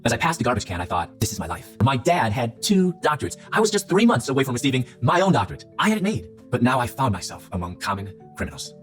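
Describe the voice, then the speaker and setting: A man's voice: medium pitch, big pitch swings, quick pace, hardly any pauses, faint music behind. A man giving a rehearsed, earnest and emphatic Christian personal testimony.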